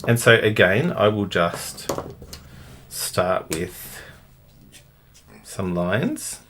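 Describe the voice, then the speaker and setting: A man talks through his coloring on a craft livestream, quiet and hesitant as he picks colors. His voice is low, with faint noise behind it. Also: big pitch swings, drawn-out words. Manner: thinks aloud while coloring, soft and hesitant, breaks into bits of song. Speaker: co-host demonstrating coloring. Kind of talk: casual craft demonstration.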